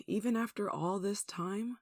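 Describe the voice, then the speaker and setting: A woman's voice: medium pitch, a little slow, darkish tone, no echo, clean studio sound. A woman playing a tall, possessive, lovesick kidnapper in an intimate ASMR roleplay, cooing and coaxing with sweet menace, sighs and giggles. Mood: sweet, menacing.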